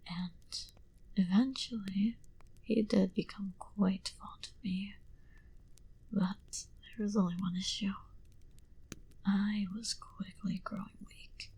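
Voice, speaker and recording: A woman playing a wistful female vampire in an ASMR roleplay, confiding her backstory in an intimate, breathy whisper. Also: mid-range voice, steady tone, mellow, heavily acted, poor audio. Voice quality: breathy, mostly unvoiced whisper. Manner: slow, intimate, confiding delivery.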